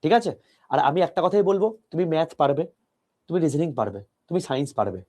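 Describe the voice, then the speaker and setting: A man teaching an online physics class, talking softly into a close mic and explaining step by step with questions to his students. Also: a little high, big pitch swings, fast talker.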